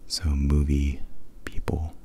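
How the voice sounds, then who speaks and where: A man speaks in a hushed ASMR whisper, drifting along with fillers as he chats. His voice sits very low and dark, and it moves slowly. A faint hiss runs underneath. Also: completely flat delivery. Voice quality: soft whisper. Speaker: ASMR video host. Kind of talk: whispered ASMR movie quote game.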